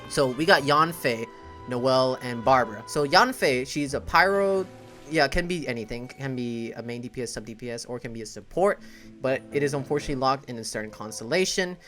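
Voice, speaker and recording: A man's voice: medium pitch, expressive, brisk, a bit bright. Conversational man explaining games over music. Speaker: content creator, host. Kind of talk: casual game commentary to camera.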